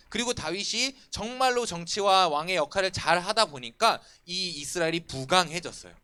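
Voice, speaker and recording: A man in his thirties preaching to teenagers in a lively, conversational way, asking questions and answering them himself. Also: a little high. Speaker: youth pastor. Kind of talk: sermon to teens. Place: church sanctuary.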